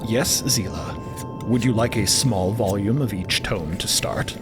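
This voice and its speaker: A man as a low, stilted, childlike humanoid. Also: lively intonation, a little slow, over loud music. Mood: polite, helpful. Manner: formal, stilted, obedient. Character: childlike, literal-minded, curious biological man new to his body. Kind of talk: scripted audio fiction dialogue.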